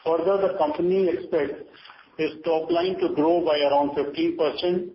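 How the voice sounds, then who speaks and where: An Indian man delivers prepared earnings remarks in a formal, scripted way. His voice sits a little high for a man. The sound is a dull, lo-fi conference call with faint noise. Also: fairly even intonation, normal speed. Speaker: company chief giving earnings remarks. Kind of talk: formal prepared corporate statement read aloud.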